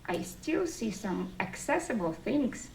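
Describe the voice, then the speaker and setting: A woman's voice: on the high side, very animated, unhurried, gravelly, darkish tone. A woman, giving a public speech in phrasing to an audience. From Estonia. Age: 30s. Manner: non-native English phrasing. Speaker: speaker at a disability forum, part-time professor. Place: indoor forum room with an audience. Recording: distant mic, roomy echo, faint noise.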